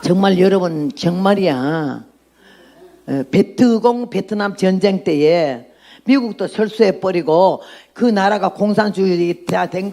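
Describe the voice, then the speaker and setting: Gravelly-voiced woman in her nineties preaching. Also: fairly low pitch, dark tone. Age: 90s. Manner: blunt, outspoken, laughs at her own jokes, asks the audience questions. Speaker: missionary preacher. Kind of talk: sermon and testimony to a congregation.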